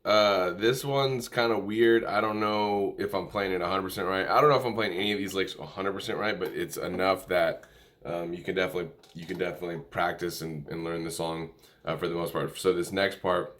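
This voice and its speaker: A man giving an informal music lesson, calling out notes in a halting, easygoing way and correcting himself as he goes. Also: sits low, steady tone, fairly bright tone. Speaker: music tutorial instructor. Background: musical instrument playing between and under phrases.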